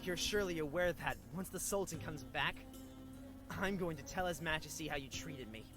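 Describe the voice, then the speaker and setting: A man voicing a weakened but defiant young male slave in a visual novel game, protesting quietly and pointedly. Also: on the high side, moderate pace, pitched above the performer's own voice, lightly acted. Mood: defiant, wounded. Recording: music clearly behind the voice.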